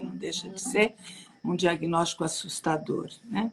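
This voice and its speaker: A somewhat breathy woman's voice, fairly slow, with ordinary pitch variation. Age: 60s. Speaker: psychologist and cancer survivor hosting a live. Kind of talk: live-stream conversation. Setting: online live stream. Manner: halting, with many repetitions.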